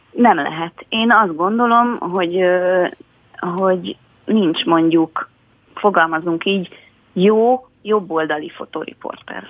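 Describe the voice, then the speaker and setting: Pausing long and often, a woman speaks at a very slow pace in a medium pitch with ordinary pitch variation. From Budapest, Hungary. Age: 30s. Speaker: photojournalist. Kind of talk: radio interview.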